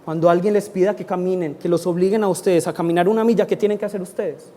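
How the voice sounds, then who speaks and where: A man's voice: sits high, fairly even intonation, fast talker, warm tone, slight background noise. A man preaching a sermon, pleading and emphatic, with sudden rises and drops. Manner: emphatic preaching, rising in pleas and dropping in asides. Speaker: pastor.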